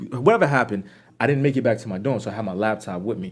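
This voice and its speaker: In a very clean recording with a silent background, a man with a New York accent talks at a medium pitch, his tone animated and his intonation lively. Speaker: DJ and music producer. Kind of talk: casual podcast interview.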